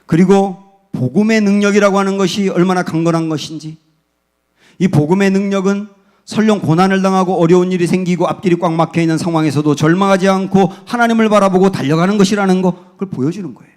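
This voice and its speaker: Male pastor, slightly high voice, earnest sermon delivery, shifts from hushed storytelling to fervent preaching. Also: steady tone, fast talker. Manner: earnest preaching that rises to fervent peaks and drops to quiet storytelling. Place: church sanctuary.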